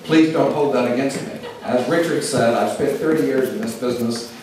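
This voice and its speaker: A middle-aged man gives a steady, measured speech from a podium, often pausing on fillers. His voice carries through a very reverberant hall and sounds distant from the mic. There is a faint background hum. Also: mid-range voice. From Oklahoma, USA. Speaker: government speaker on oil and gas. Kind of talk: public speech.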